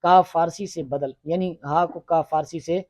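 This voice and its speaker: Man teaching with quick drill questions. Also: on the high side, steady tone, darkish tone, dry recording, clean studio sound. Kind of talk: classroom grammar lesson.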